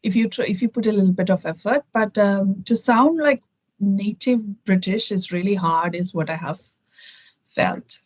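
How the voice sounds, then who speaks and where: This Indian-accented guest from Kerala talks thoughtfully in a casual video-call conversation, often using fillers and starting over. Her voice has a medium pitch and darkish tone at a moderate pace. The recording is rough but free of echo.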